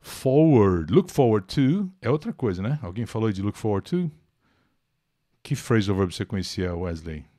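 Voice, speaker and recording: An older Brazilian man teaches a live English lesson with a very animated, up-and-down voice. He explains patiently and answers viewers' questions by name. The sound is close and dry, with no room echo. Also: on the low side, moderate pace. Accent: Brazilian Portuguese.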